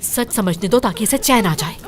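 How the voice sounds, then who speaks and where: A woman's voice: mid-range voice, normal speed, close to an everyday voice. A woman voicing a stern, bossy older woman who runs a camp kitchen, with a scolding, blunt manner.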